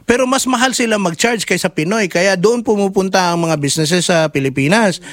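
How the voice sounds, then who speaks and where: Brief: Filipino-accented man, high-pitched, opinionated chat, dry close sound. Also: a little fast, no echo. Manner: animated, opinionated, quizzes his partner. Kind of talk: casual chat mixing English and Tagalog.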